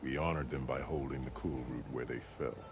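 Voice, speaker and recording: An actor playing a stern, commanding tribal chief in a video game, speaking in a formal, solemn way. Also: male voice, fairly even intonation, brisk, noisy background. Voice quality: very deep, booming. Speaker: game character. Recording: game audio with music behind.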